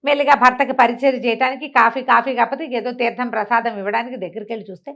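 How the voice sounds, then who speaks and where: High-voiced woman telling a folk tale. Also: fast talker, dull audio. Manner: animated retelling, acting out characters' remarks, explaining asides to a co-host. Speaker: storyteller. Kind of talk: conversational oral storytelling of a village folk tale.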